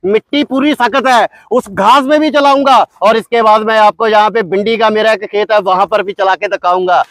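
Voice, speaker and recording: A man's voice: sits high, steady tone, normal speed, a bit bright, no room sound. A man giving an emphatic, boastful hard-sell product demonstration outdoors. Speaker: maker and seller demonstrating a farm machine. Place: outdoors in a farm field.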